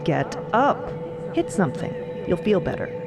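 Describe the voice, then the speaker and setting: A woman's voice: mid-range voice, very animated, measured pace, loud music behind the voice. A woman playing a no-nonsense grandmother and sword mentor in an audio drama, firm and reassuring. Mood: brisk. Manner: firm, reassuring, matter-of-fact. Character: steady, no-nonsense old granny and sword mentor.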